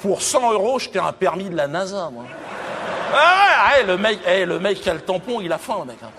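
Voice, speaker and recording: Provocative comedian, higher-pitched man. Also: lively intonation, fast. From Cameroon. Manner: provocative, loud bursts of exclamation. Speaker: stand-up comedian. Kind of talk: stand-up comedy monologue. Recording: noisy live show recording.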